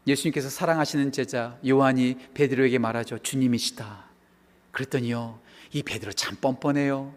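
A male pastor preaching a sermon live in church, swinging between loud emphatic lines and hushed ones. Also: medium pitch, fairly even intonation, fairly quick, few pauses. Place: church sanctuary. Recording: long reverb of a large hall.

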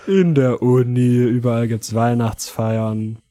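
A man's voice: mid-range voice, steady tone, slow, dark tone. A man co-hosting a podcast in casual chat, informal and slangy with bits of English. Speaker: podcast co-host.

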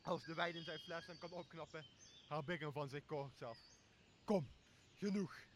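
Young man as a high-voiced boozy castaway. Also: normal speed, a little hiss or hum, natural voice. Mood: startled, blustering. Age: young adult. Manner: tipsy, blustering, coarse. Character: boozy, blustering male castaway, greedy and bossy. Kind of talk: Shakespeare radio play. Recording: clear outdoor nature sound behind voice.

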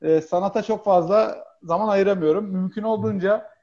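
Fast-talking man, hesitant and rambling. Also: high voice, darkish tone, dull audio. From Turkey. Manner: rambling, hesitant, many fillers. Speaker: guest. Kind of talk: casual chat.

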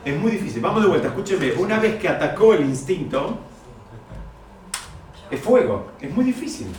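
A man teaching a Talmud story to students, animated and repeating key phrases. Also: sits high, normal speed. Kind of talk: lecture to students. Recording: echoey room, mic far off.

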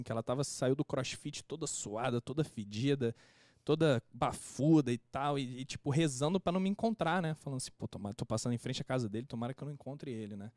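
A young man, a podcast guest casually telling an anecdote in a slangy, animated way and acting out the quotes. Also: medium pitch, no echo, studio quality.

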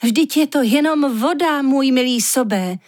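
A woman voicing a gentle, thoughtful female fox in a storybook reading, speaking softly and musingly. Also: high voice, voice pushed up, natural voice. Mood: coaxing.

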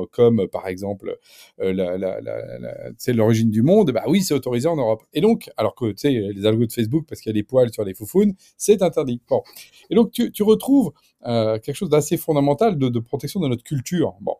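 A man talks in a relaxed, chatty way, his pitch swinging widely as he makes his points. His voice is deep in color and quite dark. The sound is dry and close. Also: fairly quick, no room sound. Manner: animated, emphatic, many fillers and restarts. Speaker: guest commentator. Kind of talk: casual radio discussion.

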